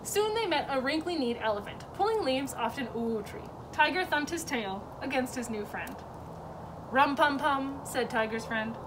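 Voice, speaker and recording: Woman, storybook read-aloud, high pitch, very lively intonation, distant mic, noisy background. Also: moderate pace, few pauses. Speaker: zoo educator reading a story.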